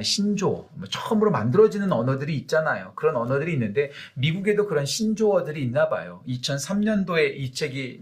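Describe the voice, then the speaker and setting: A male pastor giving a morning devotional sermon, emphatic and speaking directly to his congregation, slowing down to stress key words. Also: on the high side.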